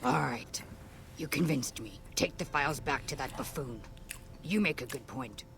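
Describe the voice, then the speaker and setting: Dry ghoul scientist. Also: female voice, a bass voice, expressive, moderate pace, vocal fry, exaggerated voice. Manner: dry, matter-of-fact. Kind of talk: video game dialogue.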